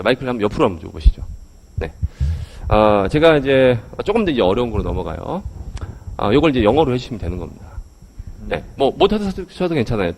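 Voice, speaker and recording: A man's voice: mid-range voice, darkish tone. A man giving a lecture to a live audience, speaking into a handheld microphone in a hall and putting questions to the crowd. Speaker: English education lecturer.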